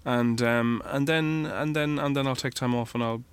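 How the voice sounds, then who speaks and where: A man chatting as a podcast guest, rambling through his answers with dry, dark jokes. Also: mid-range voice, steady tone, moderate pace, clean tone. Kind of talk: casual interview chat.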